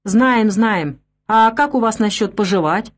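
A man's voice: high voice, unhurried. A woman voicing cheeky male drifter workers haggling over pay in an audiobook.

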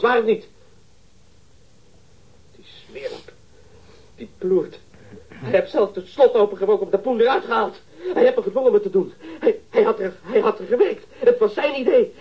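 A rough working man in a radio crime drama, cornered and stammering. His voice is high and very husky, swinging widely as he protests in coarse words. The recording is dull and muffled. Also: lively intonation, brisk, full character voice. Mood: panicked, indignant. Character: frightened, coarse male ship's stoker, a burglary suspect.

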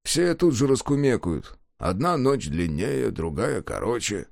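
A man's voice: mid-range voice, very animated, measured pace, creaky, no room sound, clean studio sound. A man voicing a grumpy, sleepy old carter in a storybook reading, grumbling in a drowsy mutter.

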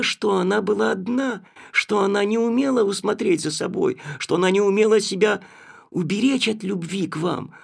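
A wounded, tearful young woman pours out her pleas in a classic audiobook, as a male reader puts her on. The voice is lifted high above his usual register, yet it keeps a gravelly, husky grain underneath. Her questions come breathless and urgent. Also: heavily acted. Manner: breathless, emotional pleading. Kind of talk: audiobook character reading.

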